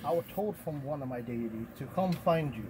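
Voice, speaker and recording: Someone putting on a deep-voiced talking black cat. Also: expressive, fairly quick, noisy background, lightly acted. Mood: solemn. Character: talking black cat messenger, male, aloof.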